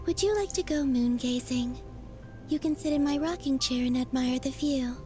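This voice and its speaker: A woman plays a courteous young female video game character with a gentle manner. Her voice sits fairly high, and music plays prominently behind it. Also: normal speed, close to an everyday voice. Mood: gentle, inviting. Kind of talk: scripted video game voice lines.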